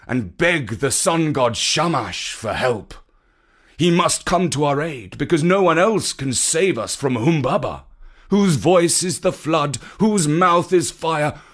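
A man reading as a loyal warrior companion with a calm, reassuring way of talking. He speaks slowly, with lively rises and falls in pitch. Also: full character voice.

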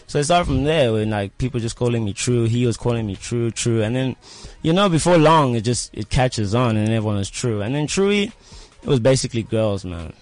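A man's voice: mid-range voice, animated, a little fast, few pauses, no room sound. A young South African man chatting casually as an interviewed rapper, with slangy speech peppered with filler phrases like "you know". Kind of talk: casual chat.

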